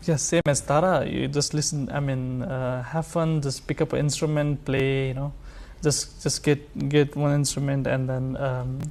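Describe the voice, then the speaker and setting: A man's voice: medium pitch, flat delivery, moderate pace, few pauses, darkish tone. Hesitant man. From Nepal. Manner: hesitant, many fillers and restarts. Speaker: musician guest, sarangi player. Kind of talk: casual interview talk.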